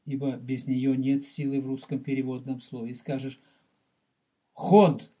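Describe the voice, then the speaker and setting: A man teaching as a rabbi in a recorded religious lecture. He speaks deliberately, addresses the listener directly, and explains and repeats terms for emphasis. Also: mid-range voice, completely flat delivery, warm tone.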